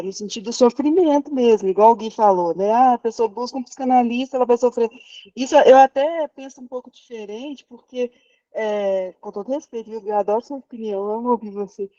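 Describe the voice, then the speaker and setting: A woman psychologist speaking in a casual group discussion, polite and hedging gently. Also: mid-range voice, no room sound, dull audio.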